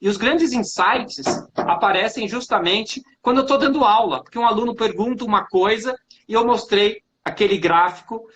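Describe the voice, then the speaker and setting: A man's voice: high voice, moderate pace, a bit bright, slight background noise. A man from Brazil hosting a casual live finance chat, friendly and joking as he talks over a video call. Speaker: host and finance professor. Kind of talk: casual live-stream interview.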